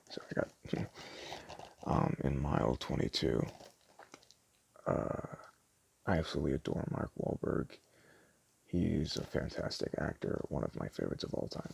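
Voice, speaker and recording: Very deep, gravelly man. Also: a little mellow. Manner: rambling, halting, trails off mid-sentence. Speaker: ASMR roleplay creator playing a video store clerk. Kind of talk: casual ASMR shop roleplay, recommending films and reading back covers.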